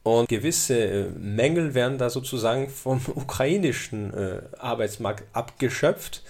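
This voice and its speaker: A man's voice: mid-range voice, lively intonation, measured pace, a little mellow. A male guest in a conversation who explains things at length, hesitating and repeating words as he goes.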